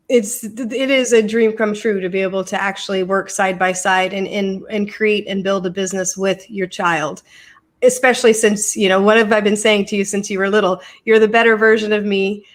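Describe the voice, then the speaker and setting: A middle-aged American woman hosts a live podcast, chatting casually and fondly with her daughter in a casual live-stream chat. Her mid-range voice has fairly even intonation at normal speed, and she often repeats words when starting a thought.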